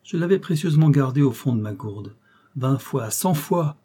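A male audiobook narrator reading a classic adventure novel at a steady, expressive pace. His voice is dark and mellow, with a slightly husky edge, set in a mid range. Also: mid-range voice, normal speed. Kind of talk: scripted narration.

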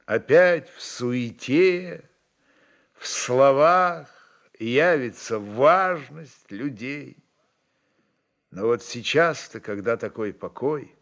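A man narrating literary prose dramatically, in an expressive, measured manner with deliberate pauses. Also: medium pitch, creaky.

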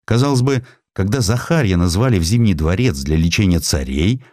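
Expressive low-voiced male narrator. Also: fairly quick, dry recording, clean studio sound. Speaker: audiobook narrator. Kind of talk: expressive scripted literary narration.

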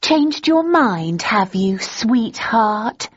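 A woman's voice: medium pitch, lively intonation, moderate pace, husky, pitched above the performer's own voice. A woman reading an audiobook, voicing a smug, mocking young woman who talks down to her rival. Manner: disdainful, sneering. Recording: dull lo-fi recording.

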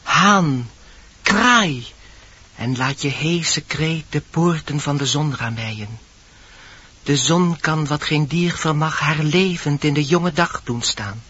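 A solemn, husky dwarf calls out in radio drama verse. Delivery is slow and declamatory, on a muffled old recording. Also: male voice, fairly high pitch, bright, forceful tone, exaggerated voice. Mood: imploring.

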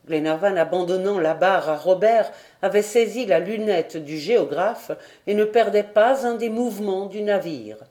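A woman's voice: medium pitch, mellow. A woman narrating a classic adventure novel as an audiobook, reading expressively and dramatically. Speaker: audiobook reader.

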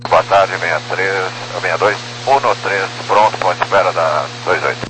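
Deep-voiced pilot over a radio link. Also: male voice, bright, forceful tone, a little hiss or hum, low-quality recording. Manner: brisk, terse readbacks. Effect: heard over an aviation radio link, like a walkie-talkie. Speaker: airline pilot. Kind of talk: clipped radio phraseology.

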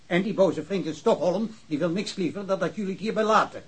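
An actor playing an indignant, argumentative policeman with a husky voice in a radio drama. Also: high-pitched, fairly quick. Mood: indignant, reproachful. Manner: argumentative, reproachful. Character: indignant local policeman, convinced the case is closed.

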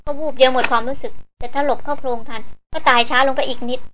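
A woman's voice: high voice, fairly even intonation, fast talker, noisy background, lightly acted. A woman voicing a blunt, grim male forest tracker in an audiobook.

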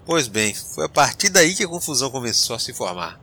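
A man playing an excitable, hapless starship captain telling his adventures in an audio drama. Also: mid-range voice, a little fast, exaggerated voice. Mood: storytelling. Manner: animated, colloquial.

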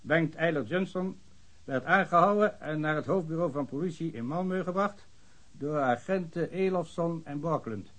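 Pedantic police official, formal, fussy, slightly high voice. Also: male voice, normal speed, a bit bright. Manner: formal, reads a report in stiff officialese. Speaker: police officer reading a report. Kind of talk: radio drama acting.

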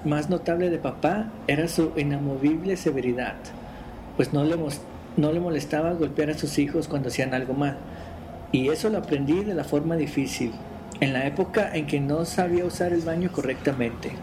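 A man's voice: fairly high pitch, noisy background. A man hosting a podcast, chatting casually and reading stories aloud. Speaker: podcast host.

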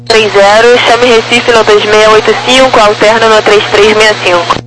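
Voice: mid-range voice, fairly even intonation, normal speed. An air traffic controller with a Brazilian accent giving clipped procedural instructions over a crackly aviation radio, like military radio traffic. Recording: noisy crackly radio with hum.

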